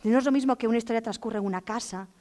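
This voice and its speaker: Middle-aged woman storyteller, high, lively lecture delivery. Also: racing. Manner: animated, acts out voices in her anecdotes. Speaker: storyteller giving a talk. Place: lecture hall.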